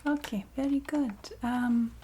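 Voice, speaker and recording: A woman voicing a polite, businesslike vampire recruiter in an ASMR roleplay, speaking in a soft half-whisper with a put-on foreign accent and halting, apologetic formality. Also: a little high, fairly even intonation, a little hiss or hum, natural voice. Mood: polite, encouraging. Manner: halting, formal, polite filler-laden explaining.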